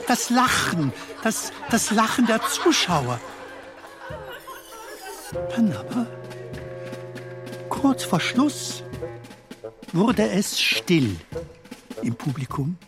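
An aged, wistful comedian in a radio play. He takes his time, savouring each short phrase, and his pitch moves expressively. Music plays beneath him. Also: very animated, extremely slow, long pauses, exaggerated voice. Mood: amused, excited. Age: older. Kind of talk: theatrical radio drama acting, storytelling. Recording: music under the voice.

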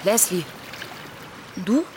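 A woman's voice: mid-range voice, sing-song, takes it slowly, noisy background. An actress playing a frank, wry woman in her thirties in a naturalistic radio play, talking in a slangy, offhand way. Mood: wry, chatty. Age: 30s. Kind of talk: naturalistic conversational radio drama. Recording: loud splashing water behind the voice. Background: sea water splashing and trickling.

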